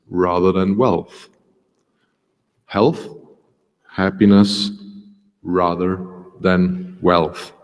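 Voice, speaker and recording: A man with a Swiss German accent giving a prepared talk on a panel, in a measured, deliberate way. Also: lowish voice, a little mellow. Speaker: panel speaker. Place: public lecture hall. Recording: reverberant lecture hall.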